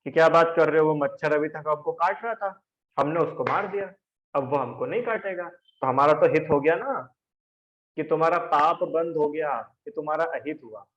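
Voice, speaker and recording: A man's voice: on the high side, normal speed, a bit bright. A male teacher giving a class lecture, arguing through rhetorical questions and answers and quizzing his students by name. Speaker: religion teacher. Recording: roomy, dull lo-fi recording.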